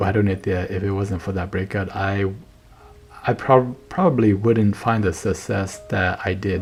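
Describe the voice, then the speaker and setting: A man speaks at a moderate pace in a fairly low pitch with ordinary pitch variation. Music plays in the background. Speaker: relationship advice vlogger. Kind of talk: casual monologue answering viewer questions. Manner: halting.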